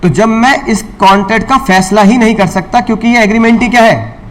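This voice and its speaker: A man's voice: high voice, fairly quick, fairly bright tone. A man teaching law to a class. He asks questions and answers them himself, repeats key lines and slips English legal terms into his Hindi. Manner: scolds and teases students. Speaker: law lecturer. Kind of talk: classroom lecture.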